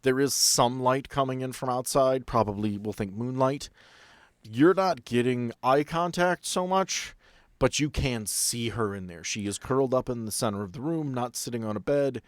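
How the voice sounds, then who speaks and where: A man's voice: medium pitch, moderate pace, no echo, studio quality. A man acting as game master, narrating a tabletop role-playing game informally and putting questions to his players.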